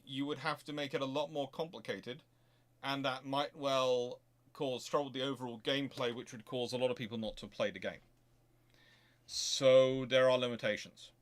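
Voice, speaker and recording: A man hosting a casual live question-and-answer stream on history, talking in a halting way as he thinks aloud and repeats phrases. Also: medium pitch, a bit bright. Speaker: host of a naval history stream.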